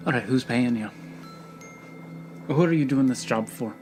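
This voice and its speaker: Tabletop game role: brash spacefaring woman, wary, colloquial, sharp-tongued male performer. Music underneath. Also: medium pitch, moderate pace, close to an everyday voice. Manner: blunt, colloquial, sardonic. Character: brash, exasperated woman ship owner, wry and wary.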